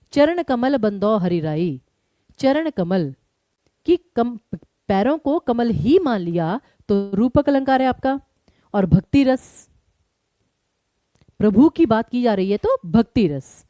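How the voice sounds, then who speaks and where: A woman teacher leads an online exam-prep class, firing quick questions at her students and then walking through each answer. Her fairly high voice rises and falls with animation. Her tone is mellow and warm, recorded close and dry. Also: no echo. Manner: quizzes students and explains briskly.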